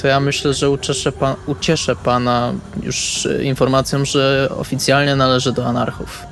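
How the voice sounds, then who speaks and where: A man's voice: medium pitch, little pitch movement, normal speed, over music, lightly acted. A man playing a laid-back, polite young vampire in an improvised tabletop role-play, hesitant and understated. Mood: polite, reserved.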